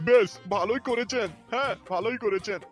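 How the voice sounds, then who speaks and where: A man's voice: sits high, brisk, soft background music, lightly acted. A man voicing a stingy, hot-tempered middle-aged man in a cartoon who blusters and threatens. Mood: scheming. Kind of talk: cartoon voice acting.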